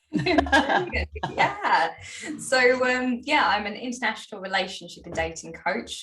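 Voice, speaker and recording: A woman in a British accent speaks very slowly, her loudness swinging widely. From Britain. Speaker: relationship and dating coach. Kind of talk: interview. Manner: hesitant with fillers.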